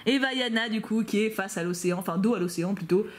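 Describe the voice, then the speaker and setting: A young Frenchwoman with a medium-pitched voice talks fast while opening fan mail in a casual unboxing vlog. Gushing and excitable, she often stammers over repeated words and tosses playful teasing asides to her viewers.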